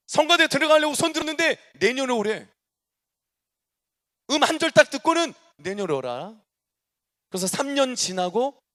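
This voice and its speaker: A man preaching a testimony sermon as a guest preacher. His delivery is animated, with loud declarations and soft asides. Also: sits high. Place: church sanctuary.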